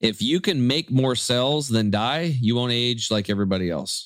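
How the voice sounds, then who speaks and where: A man's unremarkable speaking voice at a medium pitch and moderate pace, with lively intonation. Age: 40s. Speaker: health coach and supplement company founder. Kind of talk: interview.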